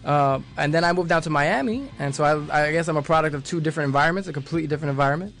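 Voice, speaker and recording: A man's voice: fairly high pitch, very fast, fairly bright tone. A man from New York, a guest on a radio show, talking at the studio mic in a rambling, easygoing way and often laughing. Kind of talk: casual interview talk. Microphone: studio microphone.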